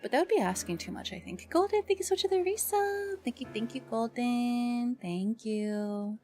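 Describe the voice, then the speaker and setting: A woman's voice: fairly high pitch, expressive, normal speed, a little mellow, faint music behind. A woman hosting a livestream in casual, chatty talk with self-deprecating grumbling, speaking into a streaming mic. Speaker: livestream host.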